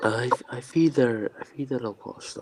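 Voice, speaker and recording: With a strong Scottish accent, a man talks at a moderate pace over noticeable background noise. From Scotland. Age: young. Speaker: live stream guest. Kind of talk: casual chat.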